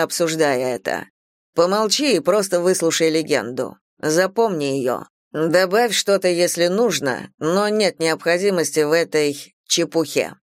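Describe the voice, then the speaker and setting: Woman reader doing a stern male businessman, measured, dry studio sound. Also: on the high side, smooth, no echo, close to an everyday voice. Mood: commanding. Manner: blunt, commanding. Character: curt, demanding young businessman.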